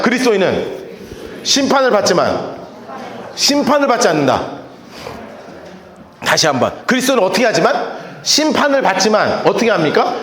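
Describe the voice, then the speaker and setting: A man preaching a Bible-study sermon who keeps questioning his congregation and joking with them. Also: extremely high pitch. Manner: asks the congregation frequent call-and-response questions; animated and joking. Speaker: pastor. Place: church sanctuary. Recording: echoey church hall reverb.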